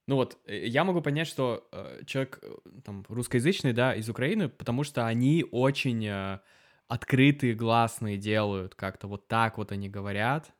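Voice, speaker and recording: A man hosting a conversational interview, curious, who asks long questions with drawn-out hesitation sounds. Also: mid-range voice. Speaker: host.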